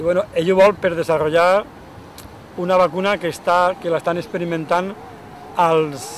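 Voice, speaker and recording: A man speaks at a moderate pace in a high pitch, his intonation monotone and flat, with long, frequent pauses. The sound is dry with no echo, over light background noise. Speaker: aid volunteer in Africa. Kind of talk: interview testimony. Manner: halting. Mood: earnest, concerned. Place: open country.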